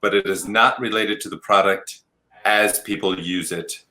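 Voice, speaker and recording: A man's voice: on the low side, fairly even intonation, normal speed, a crowd in the background, poor audio. A man hosting a game show, calling turns and strikes and explaining his rulings in a game show host's delivery.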